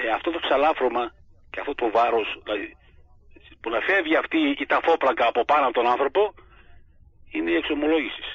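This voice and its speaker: Speaking fairly quickly with lively intonation, a man with a fairly high pitch leaves long, frequent pauses. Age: 60s. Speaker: Orthodox monk and spiritual father. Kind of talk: radio interview.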